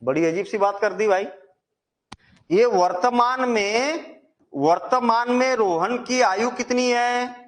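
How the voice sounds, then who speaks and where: A man's voice: very high-pitched, slow. A man teaching a maths lesson, chatty and reassuring, asking questions and answering them himself.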